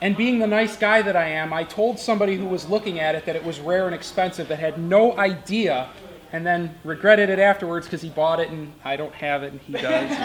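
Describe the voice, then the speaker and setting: Over noticeable background noise, a man talks loudly at a fairly quick pace, his pitch high with ordinary variation. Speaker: game collector. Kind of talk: anecdote.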